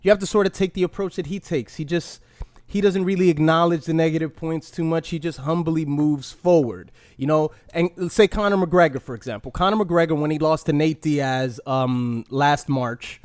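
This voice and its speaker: A man hosting a casual podcast, talking in an animated, opinionated way and poking fun at himself. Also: on the high side, moderate pace, no room sound, studio quality. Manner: animated, opinionated, with mock impressions and self-mocking laughs. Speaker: podcast host.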